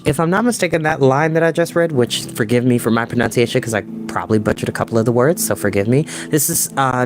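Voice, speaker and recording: Young adult male storyteller, medium pitch, casual and enthusiastic, reading aloud over faint music. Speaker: storytime reader and host. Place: small home room with desk and bookshelves.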